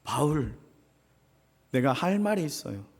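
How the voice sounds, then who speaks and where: A man's voice: very animated, a little slow, slightly rough, in a large hall, exaggerated voice. A man voicing a nervous young runaway slave who speaks hesitantly and stammers. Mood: confessing. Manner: hesitant, stammering, low and quiet.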